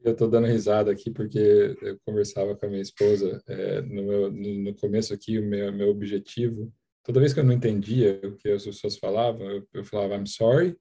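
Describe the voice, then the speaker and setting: A Brazilian doctor chatting casually over a video call, hesitant, with frequent restarts. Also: male voice, lowish voice, gravelly, mellow, slightly rough. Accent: Brazilian Portuguese. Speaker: guest doctor working abroad. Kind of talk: casual chat.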